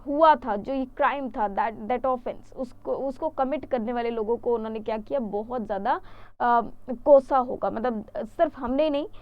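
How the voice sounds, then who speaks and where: A woman's voice: on the high side, moderate pace, dull audio. A young Indian woman teaching English vocabulary in an online exam-prep lesson, explaining and asking questions she answers herself. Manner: chatty explaining, asks questions and answers them.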